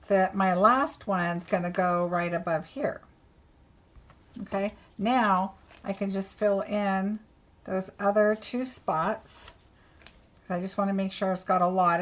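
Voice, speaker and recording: A woman's voice: mid-range voice, fairly even intonation, slow, low-quality recording. A woman giving a casual live craft tutorial as host, chattily talking herself through each step.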